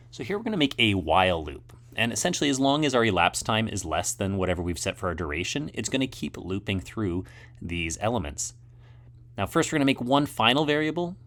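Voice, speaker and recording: Low-voiced man with a lively, gravelly delivery. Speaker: tutorial host. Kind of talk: scripted coding tutorial narration.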